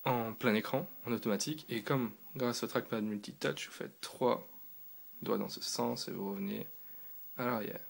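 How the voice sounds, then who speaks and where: Casting: man, casual gadget reviewer, gravelly edge, rambling delivery. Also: medium pitch, fairly even intonation, normal speed. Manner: loose and rambling, with fillers and restarts. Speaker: tech reviewer.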